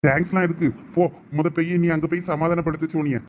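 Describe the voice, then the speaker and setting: A man playing a brisk, high-voiced tour organiser. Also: flat delivery, slight background noise, natural voice. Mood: reassuring. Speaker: tour group organiser in a village comedy skit.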